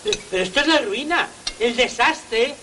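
Stammering old marquis, exasperated, bright tone. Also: male voice, very high-pitched, animated, moderate pace, slight background noise, heavily acted. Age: older. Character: flustered elderly male marquis. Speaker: film actor.

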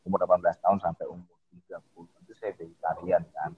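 Over a tinny line that sounds like a phone, a middle-aged podcast guest who founded a fitness method talks casually and rambles, full of fillers and restarts. He speaks rapid-fire in a low, level, slightly rough voice.

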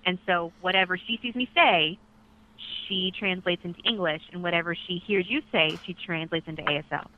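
A woman's voice: on the low side, brisk. Woman interpreter on a dull phone line. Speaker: sign language relay interpreter voicing a caller. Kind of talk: conversational live interpreting. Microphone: telephone. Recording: dull radio-like telephone line.

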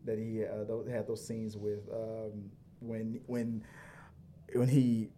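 A man's voice: fairly low pitch, flat delivery, dark tone, slight background noise. Rambling man hosting a casual chat show. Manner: halting, many fillers and restarts. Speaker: podcast host.

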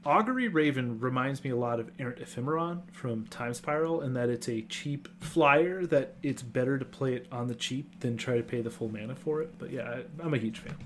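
A man co-hosting a podcast, chatting playfully and getting animated about what he likes. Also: fairly quick, hardly any pauses, slight background noise. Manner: chatty, playful, jumps up in pitch when excited. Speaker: podcast co-host. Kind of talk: casual chat about card games.

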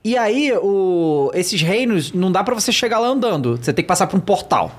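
A man's voice: sits high, very animated, a little fast. A man hosting a podcast, explaining things at length in casual chat.

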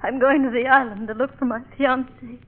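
A woman's voice: high voice, steady tone, brisk, phone-quality sound. An actress playing an anxious, tearful young woman, faltering and melodramatic, in 1940s radio style. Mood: sad, hesitant. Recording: echoing, thin vintage radio recording.

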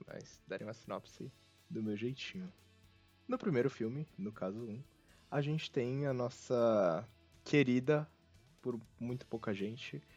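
A Brazilian man with a medium-pitched, darkish voice hosts a relaxed, funny anime podcast. He chats in a wry, self-mocking manner. The recording is dull and lo-fi, with background music.

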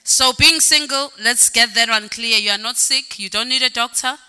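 Bright-voiced woman preaching in a reverberant hall. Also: fairly high pitch, moderate pace, clear, resonant tone. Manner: repeats words for emphasis, calls out "Amen"; sings some phrases, varies pace. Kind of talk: sermon. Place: church hall. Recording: reverberant hall with faint music.

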